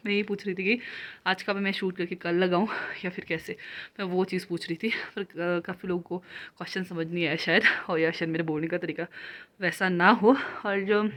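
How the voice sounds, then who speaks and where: A young woman from Kinnaur, India, chatting to her phone camera as she walks around her snowy home. Her voice sits a little low for a woman. She talks quickly and without pause, a touch out of breath. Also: steady tone. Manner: fast, nonstop chatty talk, slightly out of breath. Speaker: vlogger. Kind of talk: casual vlog talk to camera. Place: home in heavy snowfall, moving indoors and out. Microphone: handheld phone.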